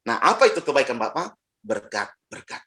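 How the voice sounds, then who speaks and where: A man's voice: medium pitch, normal speed. A middle-aged man from Timor-Leste, a pastor preaching a sermon, telling a story and acting out the other people's voices. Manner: animated, acts out quoted voices, laughs often.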